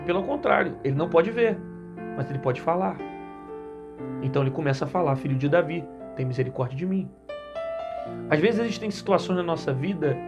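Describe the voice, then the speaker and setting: High-voiced Brazilian pastor preaching. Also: male voice. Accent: Brazilian Portuguese. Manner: earnest, repetitive exhortation. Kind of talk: sermon. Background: guitar music.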